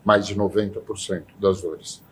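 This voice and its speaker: A man's voice: sits low, fairly even intonation, normal speed, slight background noise. A man on a podcast panel who explains ideas with restarts and rhetorical questions. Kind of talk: casual podcast discussion.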